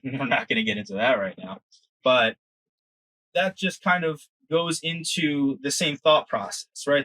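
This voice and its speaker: A man's voice: fairly high pitch, a bit bright, no echo, rough recording. A man giving an informal lecture as an exam prep instructor, conversational and often checking in with the listener.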